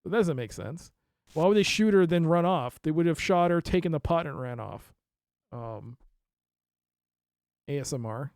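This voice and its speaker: A man's voice: on the high side, expressive, normal speed, pauses often, darkish tone, no echo, clean studio sound. A man streaming a mystery game, reading case notes aloud and reacting with laughs and asides. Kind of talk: casual let's play commentary.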